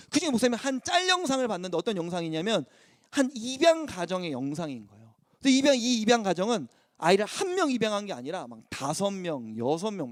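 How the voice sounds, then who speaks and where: High-voiced, lively male youth pastor. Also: no room sound, studio quality. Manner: conversational storytelling, animated. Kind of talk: sermon to high school students.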